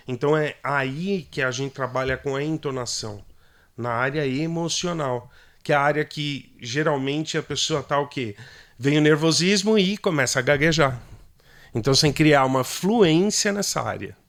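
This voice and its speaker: Brazilian man, voice specialist guest, lively explainer, slightly high pitch. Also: moderate pace. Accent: Brazilian Portuguese. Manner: animated, plays out voices while explaining. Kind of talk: casual podcast conversation.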